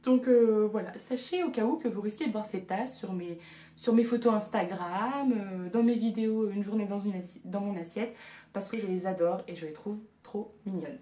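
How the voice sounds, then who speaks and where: A woman's voice: mid-range voice, normal speed, warm tone, a little hiss or hum. A young woman in her twenties, chatting casually and gushing through a shopping haul video at home. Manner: chatty and gushing, playful asides. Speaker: beauty and haul vlogger. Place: room at home. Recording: echoey room sound.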